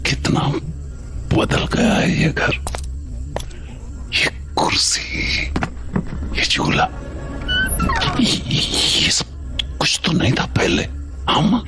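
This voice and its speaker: Estranged adult son, audio drama, pleading, unhurried delivery, gravelly edge. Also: male voice, a little high, huge pitch swings, music in the background, exaggerated voice. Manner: pleading, emotional. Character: estranged grown son returning after years, pleading.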